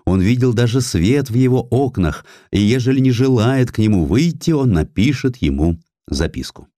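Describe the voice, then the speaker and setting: Male narrator, low mellow voice, animated literary storytelling, close dry studio sound. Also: no room sound. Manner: measured, storytelling delivery, acts out quoted dialogue. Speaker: audiobook narrator. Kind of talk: expressive literary narration of historical sketches.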